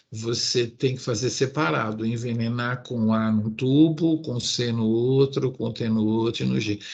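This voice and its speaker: Somewhat breathy, a man speaks at medium pitch and a fairly slow pace with fairly even intonation and hardly any pauses. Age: 60s. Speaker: university professor. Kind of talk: lecture. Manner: casual, conversational.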